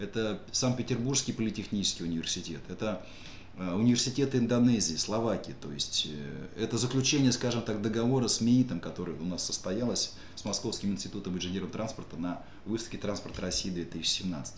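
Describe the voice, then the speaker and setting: A man speaks at a fairly low pitch. Audible room echo and noticeable background noise surround his voice. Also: ordinary pitch variation, fairly quick pace. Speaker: webinar presenter for an investment company. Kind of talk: sales pitch. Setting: online webinar. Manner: fast.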